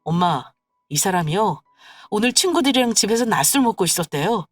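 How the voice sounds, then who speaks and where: A woman's voice: medium pitch, lively intonation, a little fast, no room sound, clean studio sound, faint music behind, lightly acted. A woman voicing a grown son who firmly reproaches his wife, in a scripted story radio drama. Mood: stern. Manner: firm and reproachful.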